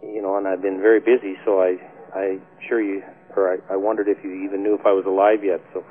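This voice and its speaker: A man's voice: low voice, little pitch movement, fast talker. A Canadian man calling in to a webcast, talking hesitantly and laughing often. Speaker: caller. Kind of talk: casual call-in chat. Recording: tinny phone-line sound.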